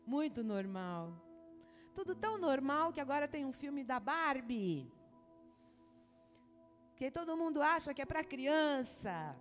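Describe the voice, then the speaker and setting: A woman with a Brazilian accent preaching a sermon in a high voice. She moves between hushed, intimate phrases and fervent, rising exhortation. The sound carries a long church-hall reverb, with soft music underneath. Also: sing-song, slow pace, pauses often. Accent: Brazilian Portuguese. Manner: passionate, swings from soft to loud. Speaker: bishop preaching.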